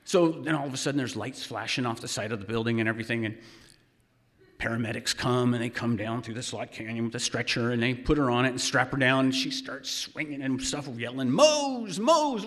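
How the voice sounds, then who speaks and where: A man telling a wry, animated personal story to a live audience, building suspense. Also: mid-range voice, brisk. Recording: long hall reverb.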